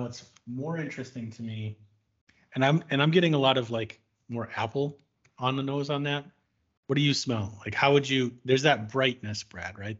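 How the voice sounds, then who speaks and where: A man's voice: medium pitch, a bit bright, husky, muffled recording. A man hosting a casual whiskey tasting, thoughtful and searching for words, with frequent fillers.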